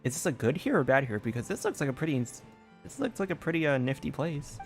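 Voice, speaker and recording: A woman's voice: low-pitched, very animated, fast talker, a little mellow, soft background music. A woman giving casual livestream commentary on a game, musing and reacting aloud. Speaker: game streamer.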